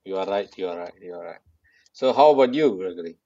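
A man co-hosting a podcast in a relaxed way, chiming in with short replies and easy laughs. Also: low-pitched, fast talker. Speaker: podcast co-host. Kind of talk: casual podcast interview. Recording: dull lo-fi audio with faint noise.

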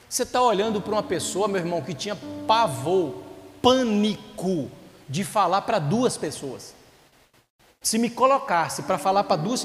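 A man with a Brazilian accent preaching a sermon as a pastor, telling stories and calling out to the congregation. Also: high-pitched. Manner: fervent, storytelling, calls out to the congregation. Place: church with reverberant hall. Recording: reverberant church with music behind. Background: worship music playing.

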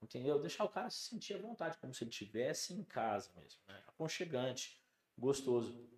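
A Brazilian man in casual podcast chat, telling kitchen stories with lively energy and putting on voices for the people he quotes. His voice sits at a middle pitch, and the room gives it a noticeable echo. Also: a little fast. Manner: animated storyteller, acts out quoted dialogue. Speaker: podcast guest, chef. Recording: roomy studio sound.

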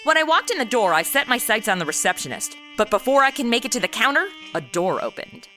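A sassy modern woman in her twenties in an audio comedy. Her bright, highish voice is flippant and slangy, swinging freely, with music behind it. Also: fast talker. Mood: wry. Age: 20s. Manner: flippant, expressive. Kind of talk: comedy audio drama dialogue and narration.

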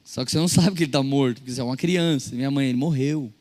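A young adult Brazilian man preaching a sermon as a pastor, telling stories and acting out quotes, shifting between loud and soft. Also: mid-range voice, rapid-fire. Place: church service hall. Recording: church hall reverb.

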